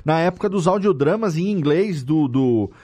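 A Brazilian man with a slightly higher than average voice hosts a casual podcast chat. He talks informally, with slang and the odd swear word. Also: animated, moderate pace, darkish tone. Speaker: podcast host.

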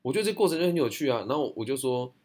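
A man's voice: medium pitch, expressive, very fast, a little mellow. A young man with a Taiwanese Mandarin accent, answering audience questions in a blunt, slangy, chatty way. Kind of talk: casual Q&A monologue.

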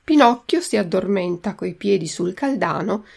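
A woman reading a children's classic chapter by chapter for learners, with slow, careful enunciation, then drilling the vocabulary. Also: medium pitch, expressive, gravelly, a little mellow, husky. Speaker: reader and language teacher.

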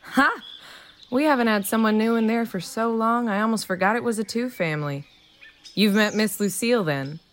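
A woman's voice: fairly high pitch, normal speed, slight background noise, lightly acted. A woman playing a chatty, friendly small-town diner local in an audio drama, folksy and inquisitive. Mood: friendly, curious. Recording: clear outdoor ambience with birdsong.

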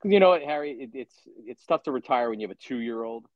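Middle-aged male guest, halting and emphatic, dry remote-call audio. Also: mid-range voice, animated, dry recording, muffled recording. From Philadelphia area. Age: 50s. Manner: halting, repeats words, opinionated. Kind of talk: casual podcast chat.

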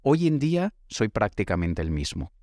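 A man's voice: on the low side, very animated, moderate pace, mellow, dry recording, clean studio sound. A man, giving a motivational podcast monologue in a projected, emphatic voice into a microphone. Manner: projected, emphatic announcer-style delivery. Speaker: podcast host and author. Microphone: studio microphone.

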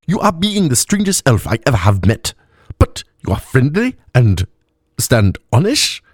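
Man putting on a firm, friendly tavern woman, raised pitch. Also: very animated, a little slow, no room sound, studio quality. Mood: friendly, tipsy. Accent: invented fantasy accent with deep vowels, sharp consonants. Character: friendly, forthright tavern woman, sage drinking companion.

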